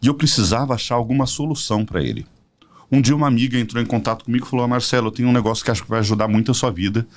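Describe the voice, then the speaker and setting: A man in his forties from São Paulo, a podcast guest telling a personal story as a smooth sales pitch. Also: racing. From São Paulo state, Brazil. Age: 40s. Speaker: podcast guest, product representative. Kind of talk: casual promotional chat.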